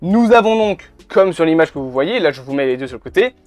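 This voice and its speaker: A man's voice: on the high side, animated, a little fast, a little mellow, no room sound. A man, chatting casually and bluntly to camera, swearing now and then. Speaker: YouTuber. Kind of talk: casual video commentary. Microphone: camera mic. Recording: faint background music.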